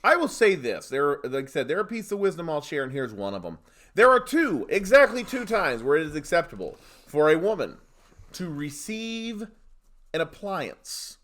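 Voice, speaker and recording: A man with a fairly high voice hosts a comedy advice podcast. His delivery swings widely in pitch, emphatic and mock-indignant, built from clipped declarations and storytelling rants. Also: big pitch swings, moderate pace, fairly bright tone.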